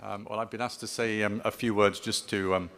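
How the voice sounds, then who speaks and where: A man giving closing remarks at a conference, speaking haltingly with many ums and restarts. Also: lowish voice, level tone, fairly bright tone. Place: conference hall. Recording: long reverb of a large hall.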